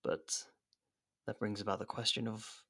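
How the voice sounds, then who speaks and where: A man playing a captured, haughty royal rival with dry sarcasm and theatrical pauses in an ASMR roleplay. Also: on the low side, flat delivery, sharp tone, husky. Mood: bitter longing.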